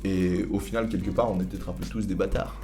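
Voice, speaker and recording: A man hosting an interview, asking questions in a quick, relaxed and informal way. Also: low-pitched, music in the background. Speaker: host and interviewer. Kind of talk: casual interview chat.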